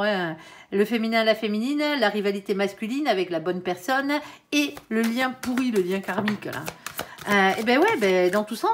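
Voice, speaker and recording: A woman doing a casual tarot card reading, chatty and peppered with "hein", talking straight to her viewers. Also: mid-range voice. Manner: addresses viewers and her angel directly. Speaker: tarot reader.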